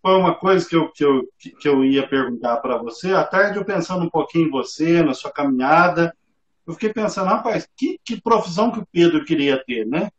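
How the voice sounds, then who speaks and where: A man's voice: fairly high pitch, lively intonation, a little fast, reverberant, muffled recording. A man hosting a casual video-call interview, friendly and eager with his questions. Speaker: host.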